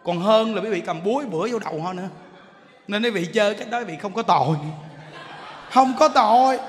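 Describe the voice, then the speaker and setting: A male monk giving a lively sermon, telling stories with laughter and mimicking voices. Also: high-pitched, fast. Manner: animated storytelling, laughing, mimicking others. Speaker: monk giving a dharma talk. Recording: long hall reverb, faint background noise.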